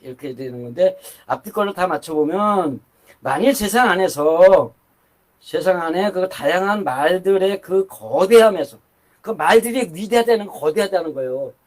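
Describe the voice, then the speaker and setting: Older guy preaching, high pitched voice, chatty and rambly, keeps restarting. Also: lively intonation, normal speed. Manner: conversational, rambling with asides and restarts. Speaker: pastor. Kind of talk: sermon.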